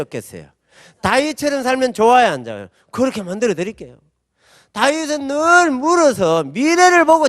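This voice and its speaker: Lively pastor preaching to a congregation. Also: male voice, high-pitched, no room sound, clean studio sound. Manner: animated storytelling with acted-out quotes; asks the audience call-and-response questions. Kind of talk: sermon.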